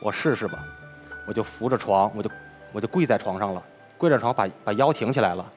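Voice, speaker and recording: A man, a crosstalk performer telling a personal story as an interview guest, with an animated delivery that acts out the dialogue. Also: lowish voice, quick pace, over music. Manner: animated, retells dialogue with lively swings.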